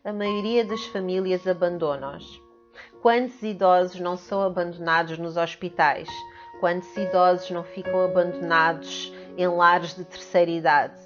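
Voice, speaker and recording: A woman's voice: on the low side, dull audio. A woman with a European Portuguese accent, hosting a spiritual video with earnest, emphatic speech and much repetition. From Portugal and the Netherlands. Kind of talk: spiritual talk to camera.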